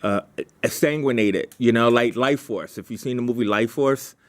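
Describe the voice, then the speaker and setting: A man leading a writers' meeting in casual, halting talk, repeating himself as he thinks aloud and brainstorms. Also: medium pitch.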